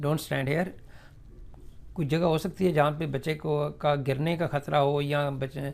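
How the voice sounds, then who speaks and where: A man teaching simple classroom English sentences, saying each one slowly and explaining it at length with many fillers. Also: a little high, fairly even intonation, vocal fry, darkish tone. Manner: slow, drawn-out model sentences in English, then Urdu explanation with many fillers. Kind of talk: spoken English lesson explained in Urdu.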